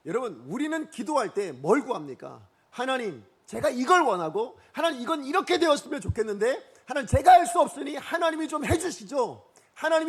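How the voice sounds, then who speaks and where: A male pastor delivers a Sunday sermon in a high, animated voice that swoops up and down. His tone is gravelly with a husky edge. He keeps pressing the congregation with rhetorical questions. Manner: leads the congregation in unison scripture reading.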